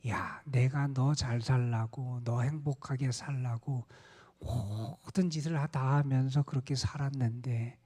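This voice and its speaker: A man's voice: mid-range voice, steady tone, measured pace, dark tone, natural voice. A man voicing a dead father in hell who scolds his son in a reproachful, upset tone, told as a story within a sermon. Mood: scolding. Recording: long church reverb.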